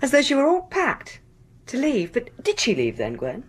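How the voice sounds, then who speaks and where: An actress playing a curious, persistent, genteel mistress of a house in a radio drama, questioning and dramatic in manner. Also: female voice, on the high side, huge pitch swings, moderate pace, slightly rough, full character voice. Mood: intrigued, probing.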